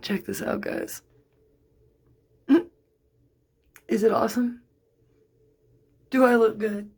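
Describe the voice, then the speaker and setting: A woman's voice: fairly high pitch, steady tone, takes it slowly, creaky, darkish tone, slightly rough. A young woman vlogging casually, rambling and giggling nervously as she talks to the camera, swearing often. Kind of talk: casual beauty vlog.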